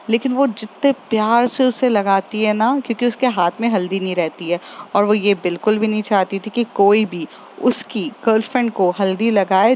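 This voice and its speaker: A woman casually retelling a romantic story scene by scene, quoting the characters' lines, with frequent fillers. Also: mid-range voice. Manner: chatty, retells scenes with quoted dialogue and fillers. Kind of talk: casual spoken story recap. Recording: dull lo-fi audio with faint noise.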